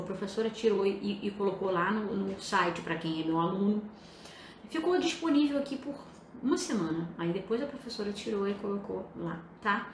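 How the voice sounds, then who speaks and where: A young adult woman teaching writing on a live stream, emphatic and lively, addressing her students directly. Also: mid-range voice. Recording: echoey room with faint hiss.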